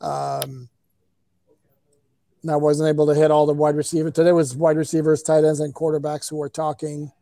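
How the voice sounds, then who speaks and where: A male sports reporter chats casually in a slightly high voice with a lot of creak. His delivery is fairly flat and hesitant as he explains things. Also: moderate pace, dry recording.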